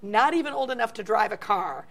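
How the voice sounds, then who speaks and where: A woman's voice: on the high side, animated, fairly quick, a bit bright. Effusive woman interview host. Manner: effusive and admiring. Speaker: show host. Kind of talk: live studio interview.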